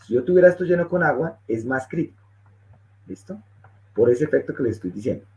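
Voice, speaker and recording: Animated and a little fast, with a dark, mid-range voice, this man teaches engineering in a webinar through step-by-step explanation. He keeps asking "¿listo?" to check on his audience, heard through muffled, low-fidelity sound.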